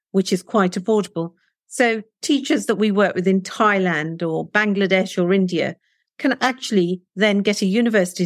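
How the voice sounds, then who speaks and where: An earnest woman whose first language is Punjabi talks as an interview guest, leaning on rhetorical questions to persuade. Her voice sits at an ordinary middle pitch. The recording is close and dry, with no room sound. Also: dry recording.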